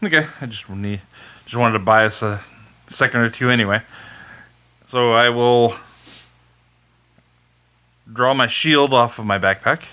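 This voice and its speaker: A man's voice: medium pitch, unhurried, long pauses, bright, forceful tone, clear, resonant tone. A man playing a tabletop game, casually declaring his character's actions. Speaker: player.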